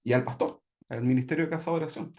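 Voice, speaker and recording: A man tells his testimony in a relaxed, conversational manner. His voice sits a little high for a man, and he keeps checking in with his listeners as he goes. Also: fast talker. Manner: conversational, leans on tag questions. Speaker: church member giving testimony. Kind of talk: personal testimony.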